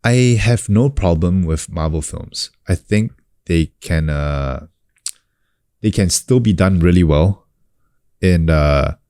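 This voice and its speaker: Deep-voiced man from New Zealand, casual. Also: slow, no echo, clean studio sound. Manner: relaxed, many fillers and restarts. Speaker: guest, actor and coach. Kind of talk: casual sit-down interview.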